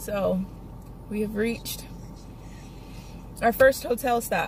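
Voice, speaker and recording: Over light background noise, a woman speaks at a very slow pace, the sound dry with no echo. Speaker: family vlogger. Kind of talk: casual vlog chat. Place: car. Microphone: phone near.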